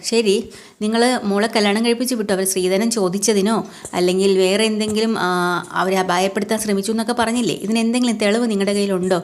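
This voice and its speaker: Woman doing a cool lady cop asking questions, steady and even. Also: mid-range voice, natural voice. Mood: questioning. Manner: measured and questioning. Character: calm, questioning female police inspector.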